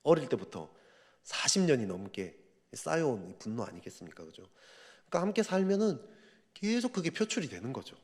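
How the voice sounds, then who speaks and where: A man's voice: mid-range voice, big pitch swings, brisk, a little mellow. A man preaching a sermon at a midweek prayer service, telling a story in a conversational way and often asking the congregation to agree. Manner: conversational storytelling, frequent rhetorical asides. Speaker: pastor. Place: church sanctuary. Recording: reverberant church hall.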